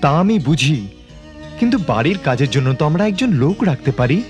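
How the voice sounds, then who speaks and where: A man voicing a calm, respectful young medical student son in a cartoon. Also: on the high side, quick pace, soft background music.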